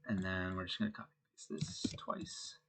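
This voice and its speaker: A man with a congested voice from a head cold, talking through a web coding tutorial in a relaxed way with many fillers. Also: deep voice, normal speed. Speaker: web design instructor. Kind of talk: screen-recorded coding tutorial.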